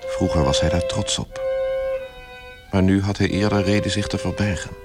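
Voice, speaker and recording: A man's voice: low voice, steady tone, normal speed. A man reading scripted literary narration as the narrator of a radio play. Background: loud music.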